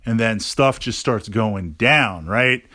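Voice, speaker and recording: A man giving a casual podcast monologue as a gaming host, thinking aloud haltingly and repeating words for emphasis. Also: lowish voice, bright, forceful tone, no echo, studio quality.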